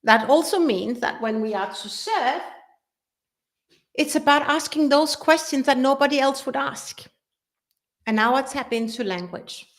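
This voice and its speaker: Woman, unhurried delivery, slightly raised pitch, earnest coaching talk. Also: animated. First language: Danish. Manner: earnest, repeats and restarts phrases. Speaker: business coach. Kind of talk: live workshop talk.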